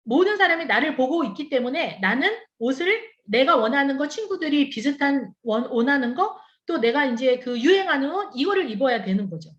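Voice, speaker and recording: A woman professor giving a conversational conference lecture to church teachers. She asks the audience rhetorical questions. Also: high-pitched. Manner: animated, acts out parent and teen dialogues. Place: large lecture hall. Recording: echoey hall, slightly dull sound.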